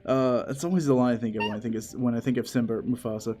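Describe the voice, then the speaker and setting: A man with a mid-pitched voice chats casually as a game co-streamer. Faint music plays behind his conversational commentary. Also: fairly even intonation, racing, mellow. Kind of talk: casual playthrough chat.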